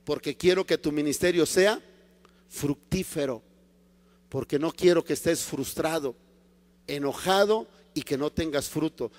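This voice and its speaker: A man voicing God as a calm, stern, commanding figure in a sermon, speaking slowly and softly. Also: on the high side, long reverb tail, pitched below the performer's own voice, natural voice. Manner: slow, hushed, firm and patient. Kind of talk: acted quote in a sermon.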